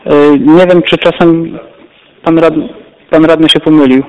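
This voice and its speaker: A man's voice: a little high, steady tone, clear, resonant tone. Formal man chairing a council vote. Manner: brisk, formal, polite. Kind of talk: formal procedural meeting chairing. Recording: echoey council chamber, dull lo-fi sound.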